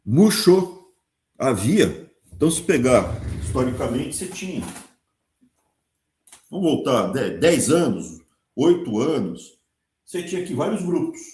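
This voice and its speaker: Brazilian guy ranting politics, mellow voice, pitch jumping all over, echoey room. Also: unhurried, pauses often. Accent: Brazilian Portuguese. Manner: sarcastic, lively, talks with colloquial asides. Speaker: channel host. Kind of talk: political commentary monologue.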